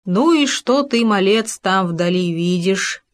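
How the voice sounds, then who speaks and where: A woman voicing a big, sorrowful male bear who speaks slowly and mournfully in a storybook reading. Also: mid-range voice, dry recording, close to an everyday voice. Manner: slow, mournful and brooding.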